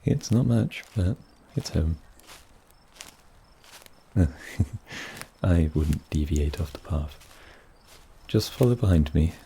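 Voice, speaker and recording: A man playing a gentle, wary and kindly forest mage in a fantasy ASMR roleplay, soft-spoken and a little hesitant. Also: deep voice, animated, takes it slowly, gravelly, long pauses, slight background noise, heavily acted. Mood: welcoming, protective.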